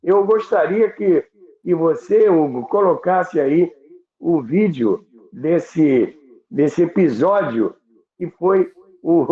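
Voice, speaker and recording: A Brazilian man explaining things informally as an interview guest, halting and repeating words, with rhetorical questions. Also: fairly high pitch. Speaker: interview guest on radio history. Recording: phone-like thin sound, echoey room.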